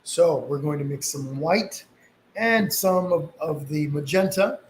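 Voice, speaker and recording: A man hosts a casual painting lesson in a slightly sniffly, fairly high voice. He guides viewers in an easygoing, reassuring manner. The sound is quite roomy, with a little background noise. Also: a little slow. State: slight sniffles from a mild cold. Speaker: painting instructor hosting a live session. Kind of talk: casual live painting tutorial.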